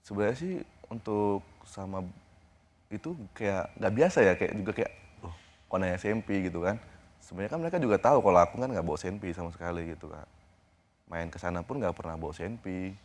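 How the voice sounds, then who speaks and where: A young man, a guest on a TV interview, recounting events in a halting, informal way. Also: low-pitched, expressive. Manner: halting, informal, retells conversations step by step.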